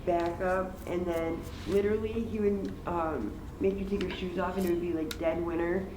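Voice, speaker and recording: A woman interviewed for a documentary, talking haltingly with many fillers. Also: lowish voice, fairly even intonation. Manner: halting, lots of likes and ums. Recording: roomy recording with noise.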